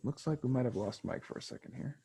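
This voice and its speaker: A man co-hosting an online webinar in casual chat, talking in a relaxed, rambling way with many fillers, over a computer mic. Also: mid-range voice, fast talker, creaky, slightly rough. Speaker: webinar co-host.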